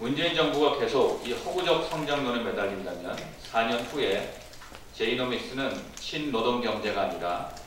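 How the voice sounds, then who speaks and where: Lively in intonation, a man talks at a moderate pace amid audible room echo and light background noise. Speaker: politician. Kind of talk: political speech. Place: meeting room.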